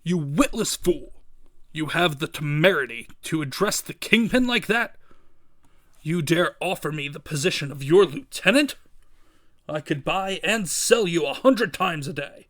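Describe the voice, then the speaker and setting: Imperious comic-book crime lord, acted out by a male reader: pompous, grandiose, cold and contemptuous, deliberate delivery. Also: on the high side, lively intonation, fairly bright tone. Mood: outraged.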